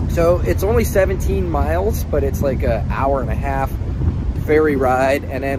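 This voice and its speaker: The sound is dry with no echo, and background noise is noticeable. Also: man. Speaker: car hobby vlogger. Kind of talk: casual vlog chat. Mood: upbeat, enthusiastic. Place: boat. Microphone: phone near.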